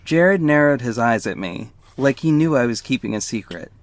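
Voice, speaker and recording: A man's voice: mid-range voice, animated, normal speed, close to an everyday voice. A man acting as a wry gay narrator who tells his own story in an audio drama, with snarky, confiding asides. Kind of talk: first-person scripted narration in audio drama.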